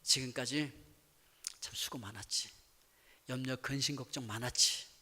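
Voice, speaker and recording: A man voicing the Lord as a gentle shepherd, speaking softly and comfortingly in a low, half-whispered voice. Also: steady tone, moderate pace, in a large hall, slight background noise. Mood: tender. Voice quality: soft, hushed, half-whispered.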